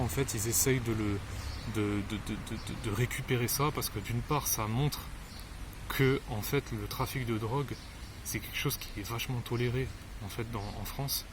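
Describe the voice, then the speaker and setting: A man's voice: on the low side, noisy background. A man giving unscripted commentary, hesitant, with many fillers and repeated words. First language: not Arabic.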